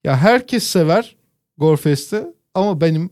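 A man's voice: on the high side, lively intonation, darkish tone, dry recording, studio quality. A man co-hosting a casual chat, telling long comic stories and drawing out words for effect. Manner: drawn-out comic storytelling. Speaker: podcast co-host.

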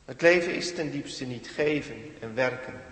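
A man preaching a sermon with earnest emphasis, rising to emphatic peaks and dropping quiet again. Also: mid-range voice, measured pace, slight background noise. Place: church. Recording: echoey church hall with long reverb.

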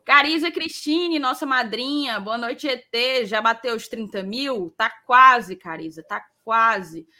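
A bright, fairly high-voiced woman with a Northeastern Brazilian accent from Ceará hosts an informal live chat. Her s sounds carry a slight tongue-tied lisp. She reads out messages casually and repeats phrases to stress them. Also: a little slow, few pauses. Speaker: host.

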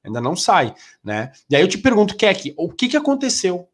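A man talks sports with a stuffy, nasal voice from rhinitis. He rambles, restarts his sentences and keeps tagging them with questions. His voice sits fairly high for a man. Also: huge pitch swings, fairly quick. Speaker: sports commentator. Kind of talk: casual sports talk.

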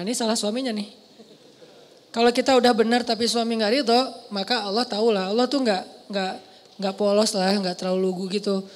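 An Indonesian-accented man preaching a sermon to a mosque audience, telling stories with lively asides. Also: very high voice. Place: large mosque hall. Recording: long hall reverb.

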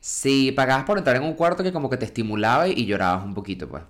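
A man with a Venezuelan accent co-hosting a podcast, telling stories in an expressive, casual way and swearing freely. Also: medium pitch, quick pace. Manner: expressive storyteller, swears casually, dramatic mock-pleading. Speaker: podcast co-host. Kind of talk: casual chat.

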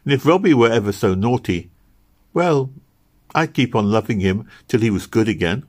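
A man's voice: medium pitch, animated, moderate pace, lightly acted. A man voicing a hopeful, caring little girl with simple, insistent speech in a storybook reading.

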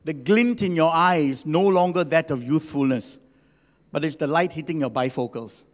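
A man of sixty preaching as a senior pastor in a conversational, gently humorous way, with emphatic pauses. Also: a little high. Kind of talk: sermon to a congregation. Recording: long hall reverb.

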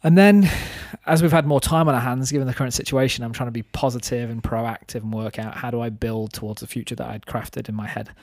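A man's voice: mid-range voice, steady tone, fast talker, few pauses, darkish tone, no echo, studio quality. A man of thirty chatting casually on a podcast in a reflective, rambling way, explaining his own thinking. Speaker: podcast host and business owner.

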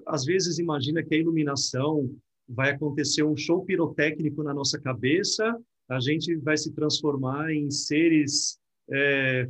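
A man's voice: fairly high pitch, husky. A man who hosts the talk as a Buddhist teacher, explaining ideas reflectively and often closing his points with tag questions. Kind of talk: reflective conversation.

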